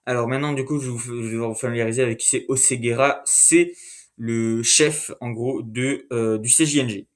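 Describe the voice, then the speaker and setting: A man's voice: mid-range voice, steady tone, normal speed. A man hosting an informal recap video, explaining events in a hesitant way with frequent fillers and self-corrections. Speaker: video host. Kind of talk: casual monthly recap narration.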